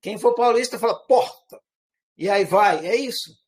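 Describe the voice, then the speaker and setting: A man with a fairly high voice and a Brazilian accent that mixes Minas Gerais with rural caipira. He lectures in a loose, conversational way and keeps asking his listeners questions. His pitch and loudness swing widely as he makes his points. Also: lively intonation, moderate pace. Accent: Brazilian Portuguese, part Minas Gerais, part rural caipira. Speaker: teacher. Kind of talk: informal spoken lecture.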